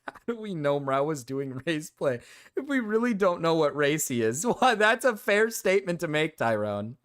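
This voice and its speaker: A man's voice: on the high side, big pitch swings, a little slow, a bit bright. A man livestreaming in a casual, joking chat with viewers, often repeating his own phrases.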